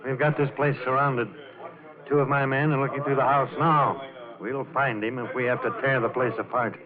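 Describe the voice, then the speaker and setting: An actor as a curt police sergeant. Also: male voice, mid-range voice, fairly even intonation, moderate pace, crowd noise, close to an everyday voice. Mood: stern. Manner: curt, firm. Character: gruff, no-nonsense police sergeant. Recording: tinny old radio broadcast with commotion behind.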